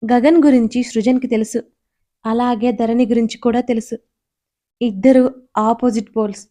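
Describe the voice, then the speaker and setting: Mellow woman storyteller reading calmly. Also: fairly high pitch, normal speed. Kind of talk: scripted story narration.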